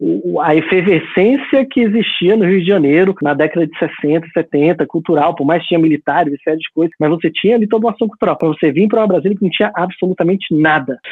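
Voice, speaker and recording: Speaking at a very fast pace, a man barely pauses at all. His pitch is high, with ordinary variation. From Brasília, Brazil. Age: 30s. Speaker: physical education teacher. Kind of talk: interview.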